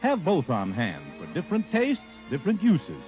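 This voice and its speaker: A male announcer pitching a product in a punchy 1950s radio style. His voice swings through a very wide range of pitch. A muffled old broadcast sound carries it, with music underneath. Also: wildly swooping pitch, moderate pace.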